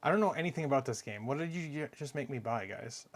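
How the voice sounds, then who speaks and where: Man, gravelly voice, casual stream chat, distracted, mumbles to himself. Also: medium pitch. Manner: mumbly, distracted, talks to chat while fiddling with setup.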